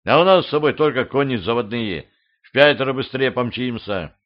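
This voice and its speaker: A man voicing a gruff, commanding middle-aged boyar warrior in an audiobook, mocking and bold in manner. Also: medium pitch, expressive, brisk, lightly acted. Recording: slightly dull lo-fi audio.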